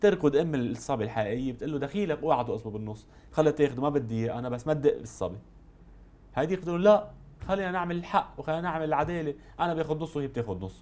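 Here a man speaks very fast with lively intonation. His pitch is fairly high. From Lebanon. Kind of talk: religious talk show interview. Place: studio. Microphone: lapel.

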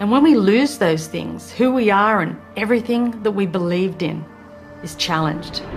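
Music plays in the background as a woman with an Australian accent talks at a moderate pace, her medium pitch carrying lively intonation. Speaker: keynote speaker. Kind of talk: inspirational keynote talk.

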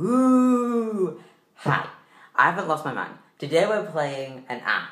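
Audible room echo is heard around a man's voice. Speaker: YouTuber. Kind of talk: casual vlog chat. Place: home room. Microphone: webcam.

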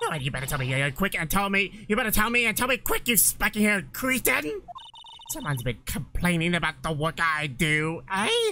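Using a put-on character voice, a woman speaks at a moderate pace and medium pitch. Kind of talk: comic overacting. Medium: game stream. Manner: scolding, then coy and doting.

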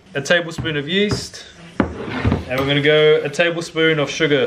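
A man talks with fairly even intonation. Noticeable background noise sits behind him. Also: moderate pace. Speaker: home cook vlogger. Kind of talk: casual cooking tutorial. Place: kitchen. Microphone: phone near.

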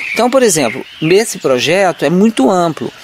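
Against noticeable background noise, a man speaks at a moderate pace with lively intonation in a dry sound with no echo. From Brazil, Minas Gerais (Patrocínio); Minas Gerais, Brazil. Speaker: visual artist; interviewee. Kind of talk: interview. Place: garden. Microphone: handheld.

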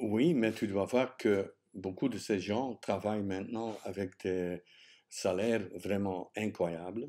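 Speaking at a very slow pace, a man with a Dutch accent has a dark, mellow tone, fairly low pitch and ordinary pitch variation. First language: Dutch (speaking French). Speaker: political commentator; guest. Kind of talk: interview. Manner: halting. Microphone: webcam.

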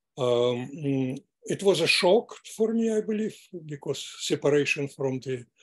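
A man with a Russian accent speaks fairly slowly with ordinary pitch variation. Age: 80s+. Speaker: artist. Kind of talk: panel discussion. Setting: video call. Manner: halting. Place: home room. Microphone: video call.

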